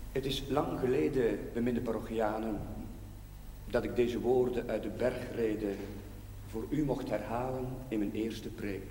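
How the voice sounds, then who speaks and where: A man acting a solemn village Catholic priest in a television period drama, preaching rhetorically with weighty, measured pauses. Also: medium pitch, darkish tone. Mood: solemn, reflective. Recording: echoey church-like hall with hiss.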